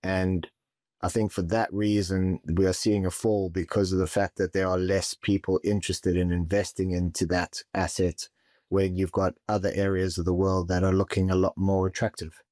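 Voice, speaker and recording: A man answering interview questions as a property and mortgage advisor, speaking in a measured way and often repeating words as he starts. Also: low voice, level tone, mellow, no echo, studio quality.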